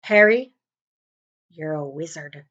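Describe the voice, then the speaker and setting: Woman acting out huge gruff storybook man, hot-tempered, drawn-out emphatic words, swooping pitch, slightly dull recording. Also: animated, fairly bright tone, heavily acted. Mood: proud.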